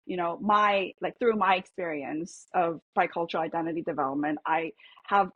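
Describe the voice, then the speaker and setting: Husky, soft-spoken Korean-born woman psychologist. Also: on the low side, fairly even intonation, moderate pace, no room sound, lo-fi sound. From South Korea. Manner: reflective, many fillers and restarts. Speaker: psychologist guest. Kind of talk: podcast interview.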